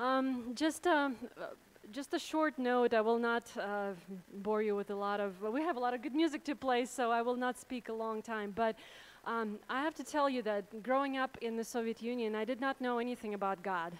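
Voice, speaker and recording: A woman with a Russian accent speaks at a fairly high pitch with ordinary pitch variation. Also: moderate pace. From former USSR, Russia. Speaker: professional musician. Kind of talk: testimony. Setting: church.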